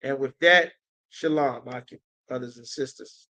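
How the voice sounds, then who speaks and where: A man's voice: mid-range voice, measured pace, pushed and bright. A man teaching a scripture class, giving announcements in a commanding preaching style with repeated call-and-response checks.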